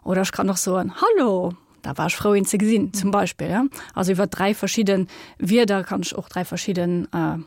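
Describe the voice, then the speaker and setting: Young woman, Luxembourgish accent, academic guest; measured, filler-heavy explaining, mid pitch, close dry studio sound. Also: fairly even intonation, darkish tone, dry recording. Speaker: linguist guest. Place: radio studio.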